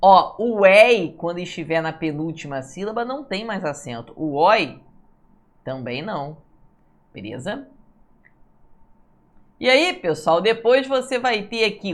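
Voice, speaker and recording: Her voice is on the low side as she leads an online lesson going over answers for Portuguese civil service exams. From Brazil, she's lively, often checks in with "tá, pessoal?", and lengthens words when underlining a rule.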